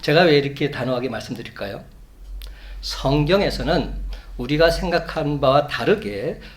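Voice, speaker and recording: A man preaching a Sunday sermon as a pastor, measured, building to emphatic peaks. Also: mid-range voice. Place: church sanctuary.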